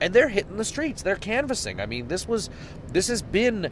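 A man's voice over noticeable background noise. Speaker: journalist podcaster. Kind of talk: casual chat. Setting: in a car.

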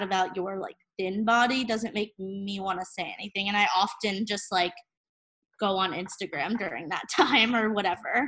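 Loud and bright with a sharp tone, a woman speaks at a moderate pace and medium pitch. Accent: American. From New Jersey. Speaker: social media worker in food. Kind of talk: casual chat.

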